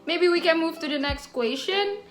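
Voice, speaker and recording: A young woman, a study abroad student talking softly and giggling in a casual Q&A. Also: very high voice, moderate pace, loud music behind the voice. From Indonesia. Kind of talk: casual Q&A chat.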